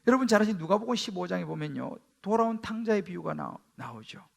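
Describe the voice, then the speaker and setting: A man, the senior pastor, preaching a Sunday sermon in a church sanctuary, swinging between loud exclamations and hushed asides. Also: high-pitched, animated, fast, vocal fry.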